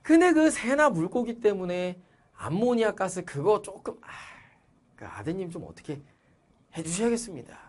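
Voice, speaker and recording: A man reading aloud as a polite, scheming middle-aged labor manager, speaking low and hushed to press his point. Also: big pitch swings, moderate pace. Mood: pressuring.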